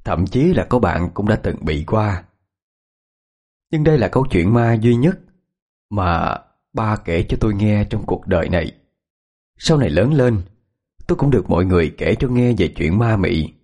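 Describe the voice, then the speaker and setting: Low-voiced male ghost storyteller. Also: animated, a little mellow. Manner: measured, storytelling.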